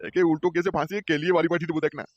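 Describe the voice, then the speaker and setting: Guy doing a cheap hothead cartoon uncle, quick, highish voice. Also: fairly even intonation, dry recording, lo-fi sound, lightly acted. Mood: blustering. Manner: blustering, shouting threats. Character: stingy hot-tempered middle-aged man, blustering. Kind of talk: cartoon voice acting.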